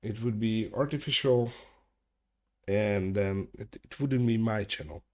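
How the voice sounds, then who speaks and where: A man talks at an unhurried, drawn-out pace, his voice sitting a bit low. He chats loosely with viewers from home, restarting his sentences and swearing without a second thought. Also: highs cut off. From Hungary. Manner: rambling, swears freely, restarts mid-sentence. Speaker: streamer hosting a chat hangout. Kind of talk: casual livestream chat.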